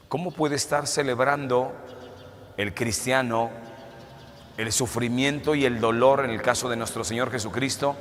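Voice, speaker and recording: A Catholic priest reads the gospel and preaches a homily in a church, speaking in a measured way and posing rhetorical questions. His voice is medium-pitched and a bit bright. The recording carries a long cathedral reverb and a faint hiss.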